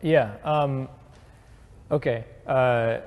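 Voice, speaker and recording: A man at a public talk answers a question from the audience, thinking aloud in a measured way and often restarting his sentences. His voice sits at an ordinary middle pitch. It rings out with the long reverb of a big hall. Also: steady tone, a little mellow. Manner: thoughtful, measured, with fillers and restarts. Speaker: guest speaker. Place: lecture hall.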